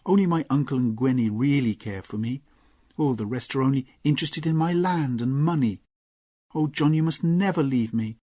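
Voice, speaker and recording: Storybook reading: male narrator doing a pleading young lady, husky and dry-sounding. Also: mid-range voice, moderate pace, mellow, no room sound, pitched above the performer's own voice, lightly acted. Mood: earnest. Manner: pleading, emotional. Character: young noble lady, loving and earnest.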